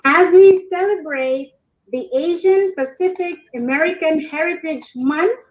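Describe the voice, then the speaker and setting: A woman's voice: extremely high pitch, distant mic, low-quality recording. A woman from the Philippines co-hosting a formal award event over a video call, speaking with pride and reading a translated song aloud. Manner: slow, proud, reads a translated song aloud. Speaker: co-host.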